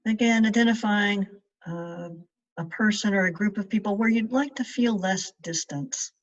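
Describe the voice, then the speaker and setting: A woman leading a guided meditation in a measured way, leaving long pauses between short phrases. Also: medium pitch. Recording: distant mic, dull muffled sound.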